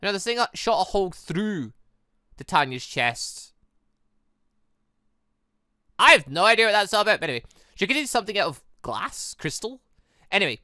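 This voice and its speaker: Hosting a gaming video, a British man muses aloud in rambling, casual commentary over a visual novel playthrough. His bright, forward voice swings around animatedly in pitch. The sound is close and dry, with no room sound at all.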